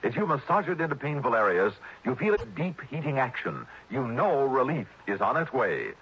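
A male radio announcer reading an advert and credits in smooth 1960s announcer style. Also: mid-range voice, normal speed. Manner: smooth, animated announcer delivery. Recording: dull old radio recording with music.

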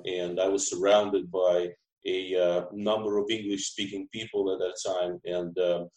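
A man's voice: low-pitched, flat delivery, a little slow, darkish tone, echoey room, rough recording. A man in his forties from Uzbekistan with a Russian accent, a podcast guest who talks hesitantly with frequent fillers and repeats. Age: 40s. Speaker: podcast guest, business owner. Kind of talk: casual interview chat.

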